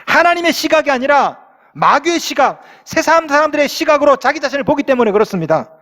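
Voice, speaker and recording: A man's voice: very high-pitched, big pitch swings, fast talker, a bit bright. A male pastor preaching a sermon emphatically, repeating his key words, with long hall reverb.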